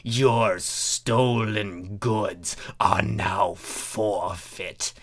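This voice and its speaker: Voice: low-pitched, very slow, pitched below the performer's own voice, full character voice. A performer voicing pompous, growling, commanding changeling police in a cartoon fan story. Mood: menacing.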